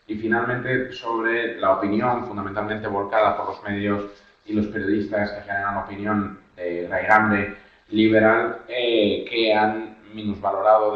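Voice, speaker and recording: A man moderating a webinar, formally summarizing a participant's question over a video call. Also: on the low side. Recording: distant, very echoey, dull.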